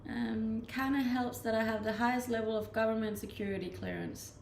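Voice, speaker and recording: A woman's voice: fairly high pitch, fairly even intonation, fairly quick, vocal fry. A young woman from Denmark with a slight Danish accent mixed from living abroad, chatting casually with her viewers as she reads their comments. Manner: laid-back, chatty, often laughing. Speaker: streamer. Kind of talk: casual chat reading live comments. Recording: echoey room, faint ambient noise.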